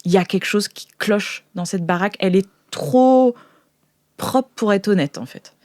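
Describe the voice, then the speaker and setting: A woman's voice: medium pitch, normal speed, a little mellow, no echo. Female game master. Mid-range voice, very dry recording, conversational scene-setting made up on the fly. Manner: casual, conversational. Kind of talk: improvised scene narration for a tabletop game.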